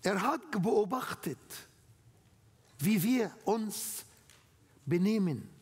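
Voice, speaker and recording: A male preacher with an Arabic accent delivers a sermon in careful, emphatic, slightly broken phrasing. His voice sits high for a man and moves at an unhurried, deliberate pace. The sound carries a long reverb from a large hall. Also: lively intonation, a little mellow, breathy edge. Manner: slow, emphatic, broken German with non-native grammar. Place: church hall.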